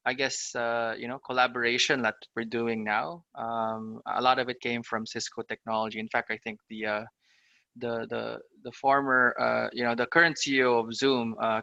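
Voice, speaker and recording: A man's voice: medium pitch, gravelly, pushed and bright, dry recording, highs cut off. A man, a podcast guest telling his career story in an upbeat way, with lots of "uh" and "you know". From Philippines. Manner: upbeat, talks in long runs full of "uh" and "you know". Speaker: guest, fintech startup founder. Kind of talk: casual podcast interview.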